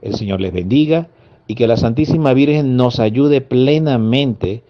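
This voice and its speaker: A man preaching a Catholic sermon, earnest, slowing down to stress each word in a list. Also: mid-range voice. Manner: earnest, slow emphatic lists with pauses. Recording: dull lo-fi audio.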